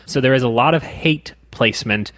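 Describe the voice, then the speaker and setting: A man's voice: mid-range voice, fairly quick, fairly bright tone, no room sound. Male podcast co-host, mid-range voice, patient and methodical with rules, wry jabs at his co-hosts. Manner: explains rules step by step, dry teasing. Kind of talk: casual board game chat.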